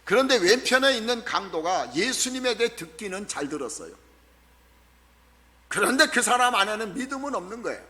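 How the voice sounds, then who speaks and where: High bright-voiced guy preaching, goes quiet then loud and punchy, pastor at sunday service. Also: sing-song, fairly quick, big-room sound. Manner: preaching with wide swings from hushed to loud emphatic calls; acts out voices of the thieves on the cross. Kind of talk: sermon.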